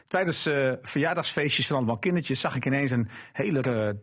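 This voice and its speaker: A man leading a casual football chat, asking questions and telling news in an animated way. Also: fairly quick. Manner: animated, questioning, pitch jumps when asking.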